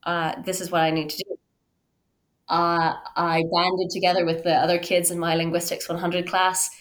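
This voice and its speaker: A woman in her thirties speaks as a podcast guest, with a voice on the low side. She tells personal stories in an animated, conversational way, often voicing her own thoughts as quotes. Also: moderate pace. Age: 30s. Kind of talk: conversational interview, personal storytelling.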